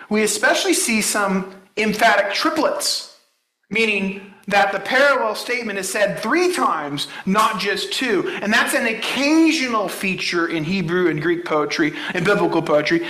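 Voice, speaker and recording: A man's voice: high-pitched, pushed and bright, roomy sound, rough recording. A man preaching a sermon, explaining a Bible passage in a conversational teaching manner and checking in with the congregation. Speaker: pastor.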